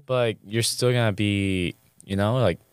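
A man's voice: fairly low pitch, steady tone, a little slow, smooth, no room sound, studio quality. Joking young man. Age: young adult. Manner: joking, filler-heavy talker. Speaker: college student. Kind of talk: casual chat.

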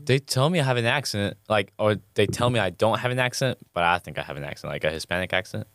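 A man's voice: fairly low pitch, fast, fairly bright tone, no room sound, clean studio sound. Joking young man. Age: young adult. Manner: joking, filler-heavy talker. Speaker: college student. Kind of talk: casual chat.

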